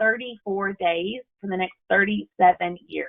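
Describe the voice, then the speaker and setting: With a Southern US accent, a woman speaks at a moderate pace and medium pitch. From US South. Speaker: engineer and webinar presenter. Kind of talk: webinar presentation. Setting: online webinar.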